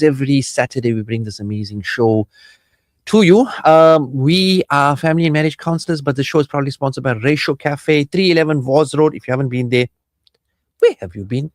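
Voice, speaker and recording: A man's voice: medium pitch, no echo, clean studio sound. A man with a South African Indian accent chatting casually as a radio host and counsellor, playful and rambling. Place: radio studio.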